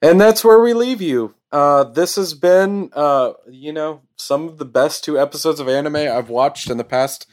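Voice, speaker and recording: Excited man recapping an anime. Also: on the high side. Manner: enthusiastic, halting with fillers and restarts. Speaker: podcast co-host. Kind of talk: casual anime review chat.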